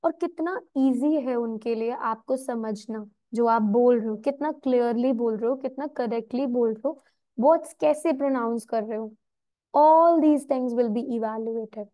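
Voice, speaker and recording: A woman's voice: a little high, unhurried, dry recording, highs cut off. A woman with an Indian accent teaching an IELTS class live, mixing Hindi and English and often checking whether students follow. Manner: mixes Hindi and English, asks students if clear. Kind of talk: live online class lecture.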